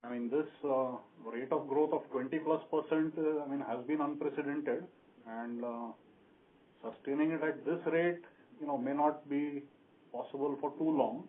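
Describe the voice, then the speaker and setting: A man with an Indian accent answering analysts as a company executive on a conference call, explaining in a measured, hesitant way. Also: on the high side, fairly even intonation. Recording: narrow phone line with faint noise.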